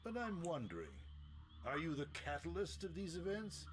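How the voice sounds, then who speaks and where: A man's voice: fairly high pitch, huge pitch swings, moderate pace, a little hiss or hum. An actor playing an ancient, world-weary and haughty male vampire in a video game, sardonic, bitter and theatrical. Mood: suspicious, probing. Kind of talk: video game cutscene acting.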